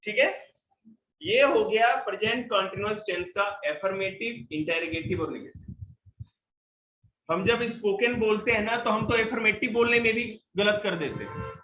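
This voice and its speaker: A male teacher giving a spoken English lesson to a class, slowly explaining each example sentence in Hindi and English. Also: high-pitched, expressive, pushed and bright, roomy sound, low-quality recording.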